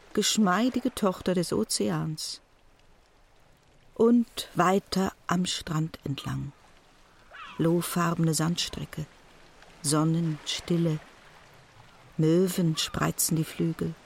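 A man's voice: a little high, vocal fry, slight background noise. An actor playing a contemplative man watching sea and shore, reciting lyrically in a radio play of verse.

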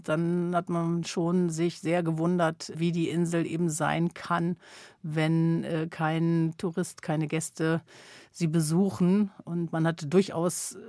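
A woman's voice: on the low side, darkish tone, no room sound. Woman in her fifties, journalist guest on a radio chat, thoughtful and hesitant, dry close sound. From Sylt, northern Germany. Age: 50s. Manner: reflective, frequent hesitations. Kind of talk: conversational radio interview.

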